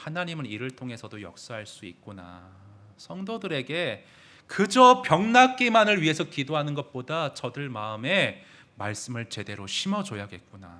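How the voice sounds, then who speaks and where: A man with a bright, sharp tone speaks at a fairly slow pace, his pitch swinging very widely. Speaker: pastor. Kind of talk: sermon. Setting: church. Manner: strong forceful intonation.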